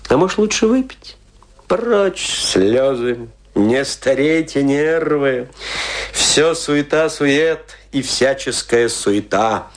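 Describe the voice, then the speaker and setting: In a Russian radio play, an actor voices a lonely, embittered, hard-drinking stage actor, his male voice husky, medium-pitched and animated. The theatrical monologue is defiant and drunken, delivered in a brooding, declamatory way with rhetorical questions and long pauses.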